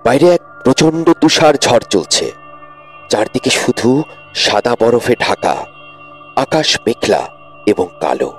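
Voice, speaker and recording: A man's voice: medium pitch, very animated, slow, long pauses, husky, soft background music. A man narrating a dramatic audio story expressively, rising with tension.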